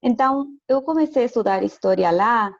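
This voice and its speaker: A woman's voice: fairly high pitch, animated, fairly quick, gravelly, highs cut off. A woman from Chile with a Chilean Spanish accent and Spanish as her first language, speaking Portuguese carefully and hesitantly as an interview guest, laughing often. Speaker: interview guest, education lecturer. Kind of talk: casual video call interview.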